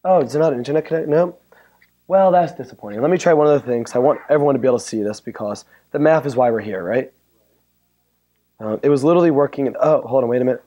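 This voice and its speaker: A man with a hoarse, worn-out voice giving a chatty, joking technical talk at a conference and bantering with the audience. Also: mid-range voice, quick pace, mellow, lo-fi sound. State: hoarse, losing his voice. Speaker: conference speaker. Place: conference room. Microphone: handheld or stand mic.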